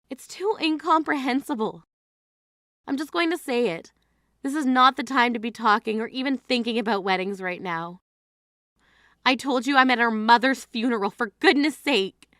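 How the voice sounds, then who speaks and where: A woman voicing an indignant young sister in mourning, scolding with a high, bright, forceful voice. The sound is dry and close, with no room around it. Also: no room sound. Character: exasperated grieving sister at funeral. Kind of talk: scripted drama dialogue.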